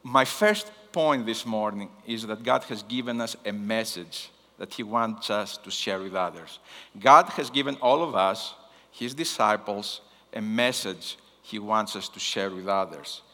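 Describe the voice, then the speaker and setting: A man from Greece with a Greek accent, preaching a sermon in a deliberate way and repeating key phrases for emphasis. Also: lowish voice, sharp tone. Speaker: guest missions preacher. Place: large hall, speaking to a congregation. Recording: long hall reverb.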